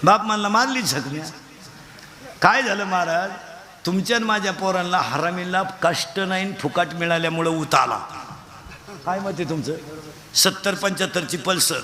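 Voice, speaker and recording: A man's voice: sits high, moderate pace, bright, forceful tone. A man preaching a comic devotional kirtan, telling stories and mocking in acted voices. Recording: echoey hall sound.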